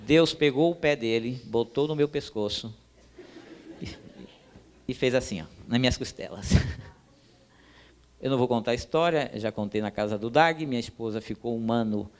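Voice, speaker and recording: Emphatic man teaching a sermon. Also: medium pitch. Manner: animated, emphatic, addresses listeners directly. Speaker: church teacher.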